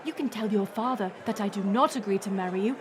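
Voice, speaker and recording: A woman's voice: mid-range voice, fast talker, slight background noise, natural voice. A woman playing a fiery, defiant young princess in a dramatic audio roleplay, indignant and bitingly sarcastic. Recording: music and crowd murmur behind. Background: music and banquet crowd.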